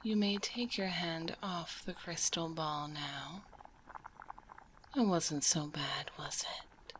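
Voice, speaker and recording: A woman voicing a kindly, gently teasing witch alchemist in a soft, breathy ASMR roleplay, close to a binaural microphone. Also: deep voice, a little hiss or hum, low-quality recording. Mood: gently probing. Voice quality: soft, breathy, half-whispered. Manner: unhurried, soothing, calls listener dear.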